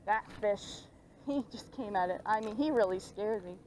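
A woman's voice: medium pitch, moderate pace, poor audio. A young woman chats eagerly as she fishes from a pond bank, with a mid-range voice. She is recorded outdoors on a head-mounted action camera, with faint background noise. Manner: excited, chatty, laughs often. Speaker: fishing vlogger. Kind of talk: casual commentary while fishing.

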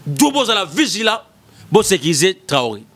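A man's voice: high-pitched, big pitch swings, moderate pace, a bit bright. A man in his thirties with a Congolese accent, giving impassioned political commentary into a desk mic in a small studio, emphatic and repetitive. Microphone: desk mic in front.

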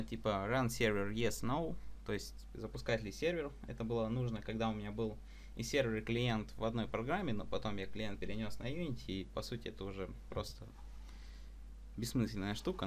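A man's voice: on the low side, moderate pace, a little hiss or hum. Man casually explaining code with hesitations. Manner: unscripted explaining with many fillers and restarts. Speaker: programming tutor. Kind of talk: screen-recorded coding tutorial.

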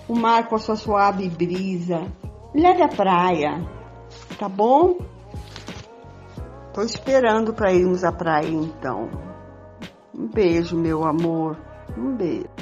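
Older woman as a slow-speaking Brazilian romantic sweetheart. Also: lowish voice, lively intonation, darkish tone. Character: devoted romantic sweetheart, jealous of rivals. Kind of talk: amateur radio drama acting. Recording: dull lo-fi audio with music.

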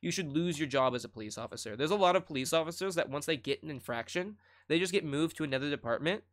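A man's voice: on the high side, expressive, quick pace, a bit bright. A young man hosting a debate over a video call from a small room, blunt and pressing for precise wording. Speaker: host. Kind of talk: heated casual debate. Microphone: webcam on a video call.

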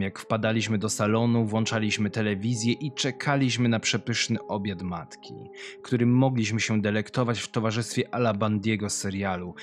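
A man's voice: on the low side, lightly acted. A man voicing a sadistic, mocking woman killer who confides her grim childhood in a horror audio story.

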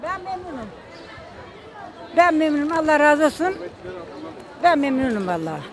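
A woman's voice: sits high, very animated, moderate pace. A woman giving short, cheerful answers in a street interview. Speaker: passerby interviewee. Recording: noisy street crowd.

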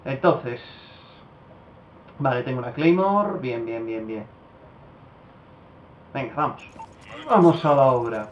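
A man from giving casual commentary over his own gameplay, swearing a lot and breaking into loud outbursts. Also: medium pitch, slow pace, long pauses, echoey room, muffled recording, a little hiss or hum. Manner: swears often, bursts into excited outbursts.

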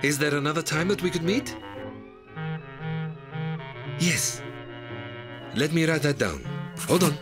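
An actor playing a wary, formal, solitary man in an audio drama, speaking in a measured, brooding way. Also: a little high, expressive. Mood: polite, guarded. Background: music.

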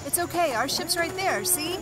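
A woman's voice: very high voice, lively intonation, moderate pace, loud music behind the voice. A woman playing a plucky, wisecracking rebel fighter and pilot in a fan-made sci-fi audio drama. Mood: urgent.

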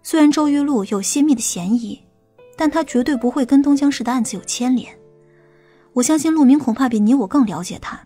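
An actress plays a woman in an audiobook crime drama. Her voice is high and husky, with faint music underneath. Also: a little fast, mellow. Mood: conciliatory, earnest.

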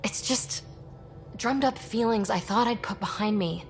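A woman's voice: on the high side, unhurried, faint music behind. A woman playing an impulsive, guarded, wry young alien adventurer in a video game, with breezy, sardonic delivery. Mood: vulnerable, frustrated. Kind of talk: video game dialogue acting.

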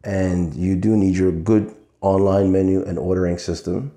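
A middle-aged man giving an earnest scripted sales pitch to camera, asking rhetorical questions. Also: flat delivery, moderate pace, dark tone, echoey room. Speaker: web agency owner pitching to restaurants. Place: indoor studio in front of a logo backdrop. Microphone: fixed camera, seated medium shot.

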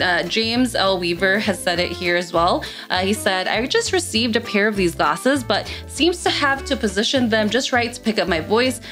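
Chatty young woman answering viewer questions. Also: fairly bright tone. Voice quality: fairly high-pitched voice. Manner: chatty, lots of "like" and "um" fillers. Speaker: tech reviewer. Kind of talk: casual Q&A talk to camera. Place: small room with gaming chair and LED lights, indoors.

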